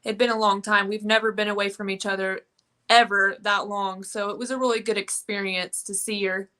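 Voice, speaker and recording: A woman's voice: medium pitch, level tone, brisk, sharp tone. A young woman from Indiana telling her story as an interview guest, earnest, with many "um" fillers.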